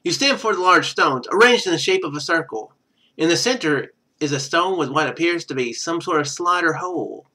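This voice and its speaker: A man's voice: on the high side, lively intonation, a little fast, pushed and bright. A man streaming a game, reading its text aloud and adding casual, wry asides.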